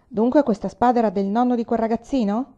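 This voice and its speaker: A woman reading as a gruff army sergeant. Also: fairly high pitch, fairly even intonation, fast, mellow, lo-fi sound, lightly acted. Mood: offhand. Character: gruff enemy army sergeant, man, greedy but easygoing.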